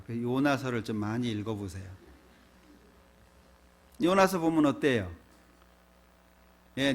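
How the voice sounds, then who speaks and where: A male pastor preaches a sermon in a church in a chatty, conversational way. He keeps tossing rhetorical questions at his listeners. His voice sits a touch high and moves around a lot in pitch. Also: a bit bright, breathy edge.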